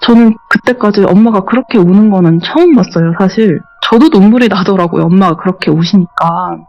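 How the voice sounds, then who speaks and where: A woman guest telling a true ghost story in soft, conversational speech on a horror radio interview. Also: medium pitch, a little fast. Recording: dull, muffled radio recording with faint music underneath.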